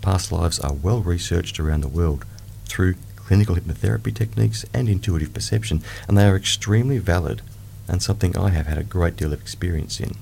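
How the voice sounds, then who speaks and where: A middle-aged man leading a guided meditation in a soft, hushed, soothing delivery. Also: low-pitched, vocal fry, a little hiss or hum.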